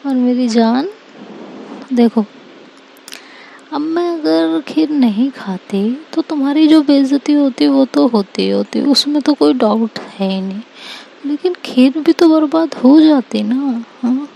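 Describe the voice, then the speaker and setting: A woman's voice: high-pitched, animated, takes it slowly, vocal fry, dark tone, slight background noise, voice pushed up, exaggerated voice, rough recording. A woman voicing Seerat, a playful young woman who jokes and teases her partner from a sickbed. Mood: teasing. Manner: teasing, joking. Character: young woman, playful teasing girlfriend recovering in bed.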